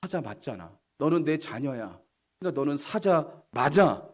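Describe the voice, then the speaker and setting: A man voicing a stern father lion who firmly tells his cub who he is, speaking slowly in a lowered voice. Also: expressive. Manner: slow, firm, lowered voice.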